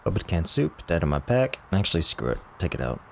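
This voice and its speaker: A man casually chatting with a friend while playing a co-op game, relaxed and muttering as he sorts items. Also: deep voice, fairly quick, gravelly, a little hiss or hum. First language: English. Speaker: gaming channel host. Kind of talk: casual co-op gameplay chat.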